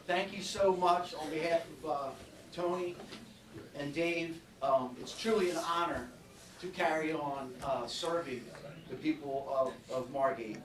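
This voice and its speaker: Grateful fire officer in a roomy hall. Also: male voice, fairly high pitch. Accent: New Jersey. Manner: grateful, halting with fillers. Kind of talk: thank-you speech. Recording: roomy, from far off, crowd behind.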